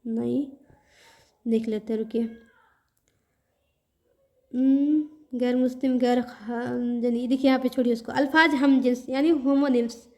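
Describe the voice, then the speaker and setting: A woman's voice: a little high, fairly even intonation, measured pace, pauses often, a little mellow. A woman teaching an online grammar lesson, reading word lists aloud and explaining them in a chatty way with English words mixed in.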